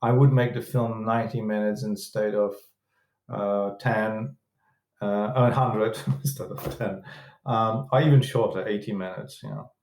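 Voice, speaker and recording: A man from Poland with a Polish accent, a film director and producer, talking as a guest in a casual interview, halting and restarting often with broken grammar. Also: lowish voice, steady tone, darkish tone, roomy sound. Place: room in London.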